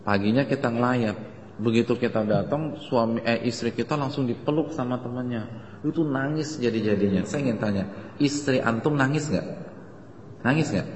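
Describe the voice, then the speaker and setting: A man's voice: medium pitch, normal speed. A man preaches to a gathered audience, his voice carrying through a large, reverberant hall with faint ambient noise behind. He speaks in a conversational way and keeps putting questions to his listeners. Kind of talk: sermon.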